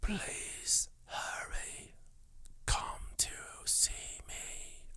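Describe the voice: A put-on character voice, raspy and extremely high in pitch, carries the lines.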